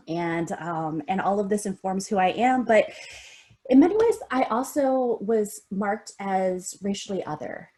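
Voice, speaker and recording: Middle-aged Midwestern woman, academic guest speaker, earnest personal storytelling over a video call. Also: mid-range voice. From Midwest US, Indiana. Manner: warm, earnest storytelling with frequent ums and gentle laughs. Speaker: guest speaker, associate professor. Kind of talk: personal talk in an online seminar.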